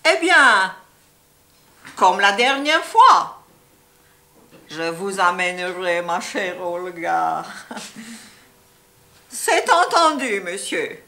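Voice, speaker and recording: Scheming fake grand duchess, theatrical, slow, lively pitch, 1980s tv comedy. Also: female voice, full character voice. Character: haughty aunt posing as a Russian grand duchess. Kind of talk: 1980s television comedy acting.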